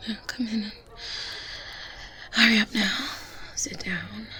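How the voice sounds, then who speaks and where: A woman playing a brisk, secretive, faintly condescending good witch in a soft, breathy, whispered ASMR roleplay. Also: mid-range voice, slight background noise. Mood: brisk, commanding. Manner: slow, deliberate, hushed, commanding.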